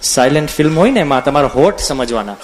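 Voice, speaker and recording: Male swami, storytelling sermon, somewhat high-pitched, animated anecdotal delivery. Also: fast talker, slight background noise. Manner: lively anecdotal, acts out quoted voices. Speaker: swami giving a religious discourse. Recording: audio from a CD recording.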